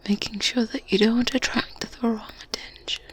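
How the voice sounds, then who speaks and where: A woman voicing a kindly, motherly good witch in a gentle, breathy ASMR roleplay whisper, teasing softly and reassuring as she goes. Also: fairly high pitch, fairly even intonation. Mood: earnest, reassuring. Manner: gentle, unhurried, coaxing, little hums. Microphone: close binaural microphone. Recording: close binaural mic with faint ambience noise. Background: medieval ambience sounds.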